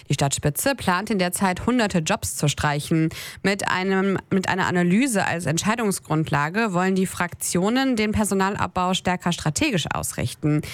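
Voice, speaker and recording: A woman anchoring a local radio newscast, reading items in an even, measured way. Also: lowish voice, dry recording. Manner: even, measured news delivery. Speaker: news anchor. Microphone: studio mic.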